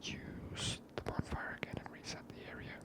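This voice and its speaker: A person whispering ASMR commentary while playing through a video game in a hushed manner. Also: moderate pace. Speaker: game streamer.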